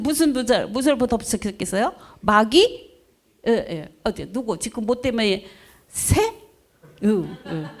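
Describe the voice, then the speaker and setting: A middle-aged woman preacher telling her own testimony to a congregation, acting out quoted voices and asking the people questions. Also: on the high side. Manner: lively storytelling, acts out quoted voices, asks the congregation questions. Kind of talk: testimony sermon.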